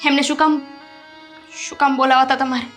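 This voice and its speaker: An actress voicing an ill, stubborn young woman who snaps back defensively. Her voice is very high and bright. Soft music plays behind her. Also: level tone, fairly quick. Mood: agitated. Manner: defensive, agitated. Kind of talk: family drama acting.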